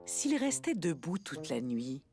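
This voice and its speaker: A woman narrating a children's cartoon in a calm storytelling manner. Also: low voice, unhurried. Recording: music behind.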